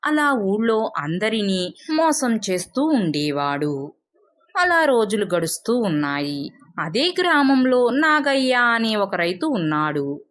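Storyteller, female, mid-pitched voice. Scripted narration for moral folk tales. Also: fairly bright tone.

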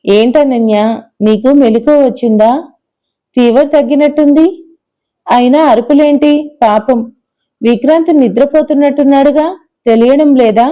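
A woman playing a kind middle-aged mother in a storybook drama, speaking soothingly with a light chiding tone. Her voice is a touch high and deeply mellow. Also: moderate pace, long pauses, lo-fi sound, natural voice. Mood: gentle.

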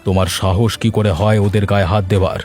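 A man's voice: lowish voice, little pitch movement, fast talker, darkish tone, lightly acted. A man playing a commanding village headman. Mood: stern. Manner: commanding, threatening. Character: domineering middle-aged village headman. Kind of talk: cartoon voice acting. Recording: faint music behind.

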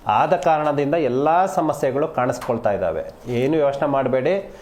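A man speaking as an astrologer on a live call-in show, calm and reassuring, drawing out important phrases slowly. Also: medium pitch.

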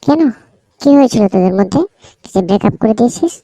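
A woman's voice: fairly high pitch, lively intonation, fast talker, vocal fry, warm tone, dry recording. A woman voicing a teasing, bossy but caring cartoon friend in a casual, familiar, nudging way. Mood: concerned. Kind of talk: cartoon dialogue.

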